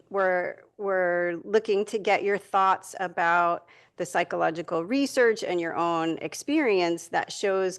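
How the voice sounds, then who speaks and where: Clear, smooth-voiced woman moderator. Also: lowish voice. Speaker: panel moderator. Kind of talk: moderating a question session.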